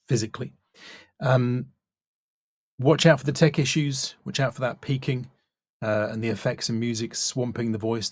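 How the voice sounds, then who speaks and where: A man's voice: medium pitch, husky, dry recording. A man working as a voice-over coach, giving a casual, thoughtful spoken critique and stressing key words. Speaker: voice-over coach reviewing demo reels.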